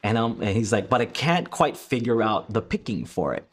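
A man's voice: fairly low pitch, big pitch swings, normal speed. A man in his thirties from the Philippines, hosting a casual podcast and telling stories with many fillers and restarts. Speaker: podcast host.

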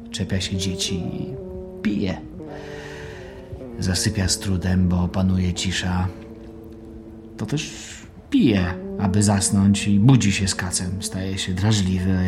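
An actor playing an educated, self-assured male job applicant, speaking precisely and with control in an audio drama. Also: low-pitched. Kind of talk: audiobook radio play acting.

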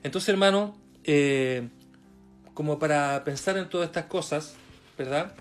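A man preaching a sermon in a Chilean accent, halting with many fillers and repetitions, reading and retelling a testimony. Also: fairly high pitch, soft background music. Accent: Chilean Spanish. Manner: halting, many fillers and repeated words, rising for emphasis.

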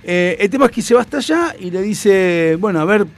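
A man's voice: high voice, animated, moderate pace. A young man with a Rioplatense Spanish accent telling a story in casual, crude slang and acting out quotes. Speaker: storyteller host.

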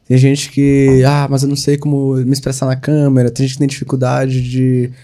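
A man's voice: mid-range voice, monotone, moderate pace, dark tone. A man hosting a casual interview and leading into his next question. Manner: conversational, leads into questions. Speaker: interviewer, host.

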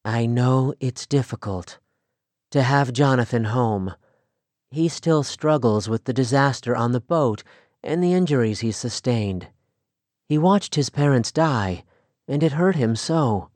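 A man voicing a soft-spoken Amish mother. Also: medium pitch, animated, a little slow, no room sound, close to an everyday voice. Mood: soothing. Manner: soft, consoling. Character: gentle, soothing Amish mother.

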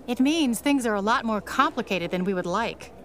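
A woman's voice: fairly high pitch, lively intonation, moderate pace, heavy background noise, lightly acted. A woman playing an exasperated, no-nonsense investigator in a pulp radio drama, dry and analytical. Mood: grim, analytical.

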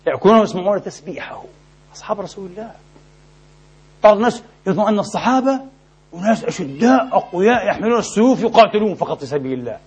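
A man preaching a sermon in a mosque, impassioned and emphatic, with sharp rises in his delivery. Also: high-pitched, expressive, very fast, slight background noise. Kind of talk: Friday sermon. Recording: dull lo-fi recording.

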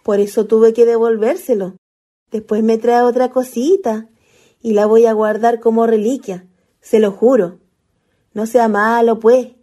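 A naive, affectionate young ghost from the countryside played by a woman in a radio play. Her voice is high and soft-edged, mellow, with a Chilean accent. She talks in a folksy, coaxing way. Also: flat delivery, unhurried. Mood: apologetic, coaxing. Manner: folksy rural speech, coaxing. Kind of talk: radio drama acting.

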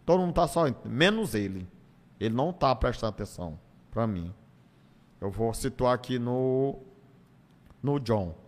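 A man's voice: medium pitch, expressive, moderate pace, pauses often. A man with a northeastern Brazilian accent, telling stories casually as an interview guest, in a colloquial way that acts out bits and repeats phrases. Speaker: stand-up comedian, interview guest. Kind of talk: casual conversational storytelling. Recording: long hall-like reverb.

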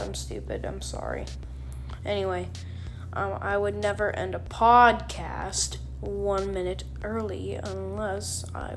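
Teen girl podcaster, mid-pitched, hoarse and cracky, chatty and self-mocking, faint music under her. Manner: rambling, self-deprecating, many ums and throat clearing. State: sore, cracky voice. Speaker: podcast host. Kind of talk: casual solo podcast chat.

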